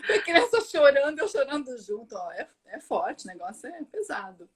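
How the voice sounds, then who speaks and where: A woman from Brazil hosting a casual live chat, telling stories in an expressive, animated way. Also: high voice, normal speed. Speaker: host. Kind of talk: casual live-stream conversation.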